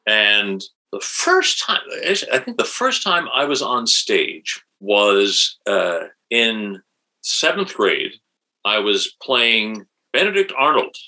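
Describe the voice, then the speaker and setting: A man's voice: on the low side, big pitch swings, takes it slowly, sharp tone, poor audio. A man in his sixties from New Jersey, a guest on an interview podcast, talking casually with many fillers and restarts. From New Jersey, USA. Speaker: podcast guest, actor and author.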